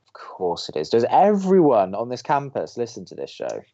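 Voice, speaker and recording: A man playing a sarcastic, reluctant young college radio co-host with an American accent and a deadpan manner, in audio drama banter. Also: mid-range voice, moderate pace, lo-fi sound. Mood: exasperated. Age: young adult.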